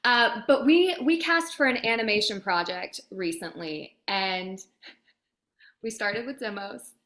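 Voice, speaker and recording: A woman's voice: medium pitch, measured pace, bright, forceful tone. A woman answering as an interviewed producer in a candid, casual, conversational way. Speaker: voiceover demo producer being interviewed.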